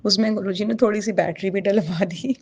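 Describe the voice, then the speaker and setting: A woman's voice: mid-range voice, fairly even intonation, a little fast, a little mellow, breathy edge, highs cut off. A woman tells a personal devotional testimony to a congregation, earnestly and often addressing her listeners directly.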